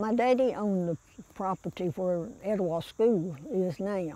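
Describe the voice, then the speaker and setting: A woman's medium-pitched voice with a Southern Appalachian accent, dark and mellow in tone, with ordinary pitch variation and a dry, close sound with no echo. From US South, western North Carolina mountains. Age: 80s+. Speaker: farm elder. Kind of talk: oral history interview.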